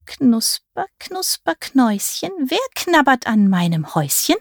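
A woman's voice: a little high, big pitch swings, a little slow, vocal fry, no room sound, clean studio sound, voice pushed up, full character voice. A woman voicing an old witch in a gingerbread house, with a rusty, scratchy voice and a singsong chant.

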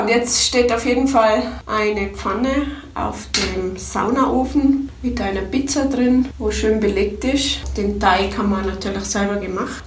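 A woman's voice: mid-range voice, slight background noise. A woman in her forties who owns a guesthouse, chatting casually in a vlog and laughing often. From Tyrol, Austria. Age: 40s. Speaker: guesthouse owner. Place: small wooden garden sauna. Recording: roomy echo, voice far from mic.

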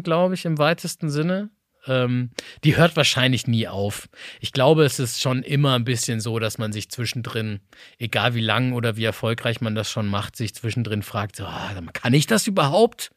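A man's voice: medium pitch, fairly bright tone, no room sound, clean studio sound. A voice actor talking through his work in a casual conversation, thinking aloud and often restarting his sentences. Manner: reflective, rambling with many restarts.

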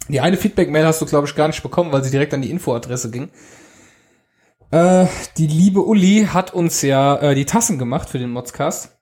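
A man chatting on a relaxed podcast, reading out listener mail with a teasing edge. His voice sits slightly high for a man. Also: moderate pace. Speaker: podcast co-host. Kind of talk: casual podcast chat. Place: home.

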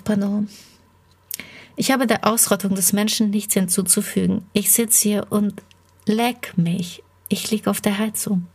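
A woman reading the part of a woman who believes she is a cat, in a calm, dry, measured stage monologue. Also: medium pitch, creaky, slightly rough.

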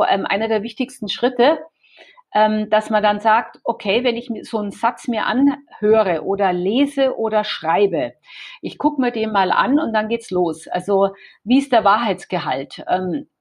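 A woman's voice: mid-range voice, breathy edge. A woman, a guest author explaining her coaching method in an interview, hesitant with many fillers and restarts.

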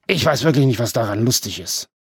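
A man's voice: mid-range voice, lively intonation, brisk, vocal fry, slightly rough, no room sound, clean studio sound, full character voice. A man voicing a weary, irritated older male detective who answers in curt, grumbling lines.

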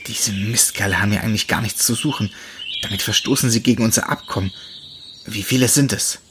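A man voicing a friendly young male forest animal who guards his patch of woods, speaking calmly and reassuringly, with crickets and birds behind. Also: fairly low pitch, a little fast, background noise, natural voice. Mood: concerned.

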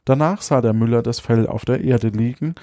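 A man reading an old fairy tale aloud at an unhurried pace, breaking off now and then with chuckles and asides. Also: mid-range voice, mellow, no echo, clean studio sound. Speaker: storyteller.

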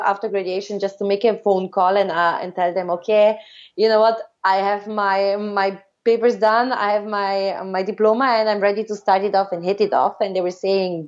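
A woman in her thirties recounts her path abroad in a relaxed, conversational way, stopping often to restart her sentences and fill pauses. Her voice sits at a middle pitch. The audio is somewhat dull and lo-fi. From Austria. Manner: halting, many fillers and restarts. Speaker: podcast guest. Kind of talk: casual interview storytelling.

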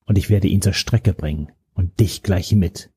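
A man voicing a gruff old male investigator who speaks slowly and growls his words. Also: mellow. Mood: grim. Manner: slow, low, growling. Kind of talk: audiobook character voice.

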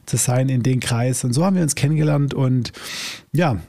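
A man hosting a podcast interview, talking in a friendly, halting way with many fillers. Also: mid-range voice, creaky, warm tone, dry recording. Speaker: podcast host. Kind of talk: casual interview chat.

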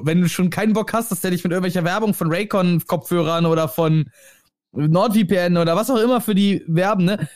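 A young man co-hosting a casual podcast, talking in animated, rambling stretches. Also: high voice, no echo, studio quality. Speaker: podcast co-host. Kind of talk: casual chat.

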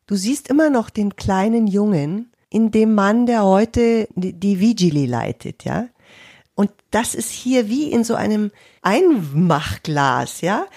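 A woman's voice: medium pitch, a little mellow, breathy edge. A woman in her fifties in casual conversation as a podcast co-host, reflective and searching for words.

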